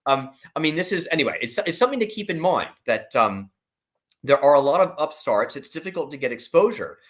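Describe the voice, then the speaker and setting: A man with a slightly high, very animated voice speaks a little quickly. He is an investment analyst appearing as an interview guest, offering conversational financial commentary, explaining things emphatically and frequently rephrasing himself mid-thought.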